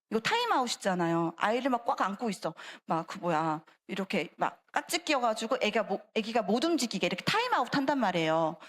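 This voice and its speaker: A middle-aged woman giving a seminar talk at a church, chatty and animated, acting out voices in her examples. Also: fairly high pitch. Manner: animated, acts out quoted voices, chatty asides. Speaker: church lecturer. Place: church sanctuary.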